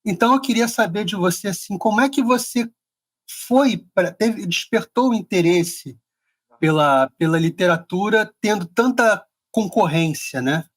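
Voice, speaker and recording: A man's voice: sits high, measured pace. A man with a Carioca accent hosting a podcast, chatting casually with many small restarts. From Rio de Janeiro. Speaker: podcast host. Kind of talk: casual interview chat.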